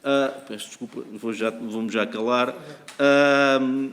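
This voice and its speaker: A man's voice: mid-range voice, steady tone, slow pace, a bit bright. A man with a European Portuguese accent, a law professor giving formal testimony at a parliamentary hearing, often repeating words as he searches for terms. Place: parliamentary committee room. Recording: echoey hearing room.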